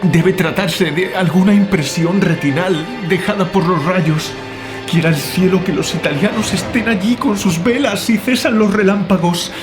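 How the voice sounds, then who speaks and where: A man voicing a terrified writer descending into madness in a horror audiobook, anguished, halting and fevered in his declamation. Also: high voice, close to an everyday voice. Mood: fearful, feverish. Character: terrified male writer descending into madness, writing final frantic notes. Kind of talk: dramatized horror audiobook monologue. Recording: loud music under the voice. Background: loud music.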